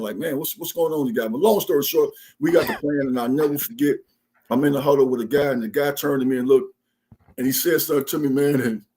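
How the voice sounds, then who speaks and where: Husky man with Southern Black country drawl. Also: medium pitch, a little mellow. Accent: Southern Black American, country Mississippi drawl. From Mississippi, USA. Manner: folksy, emphatic, repeatedly punctuating phrases with "man". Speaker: guest, former college football player. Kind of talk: casual storytelling in an interview.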